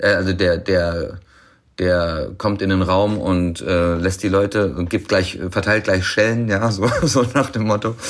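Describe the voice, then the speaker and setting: A man's fairly low voice, very slow, with very even loudness and fairly even intonation. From Hesse, Germany (born in Tehran). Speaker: actor. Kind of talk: casual chat. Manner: halting, many fillers.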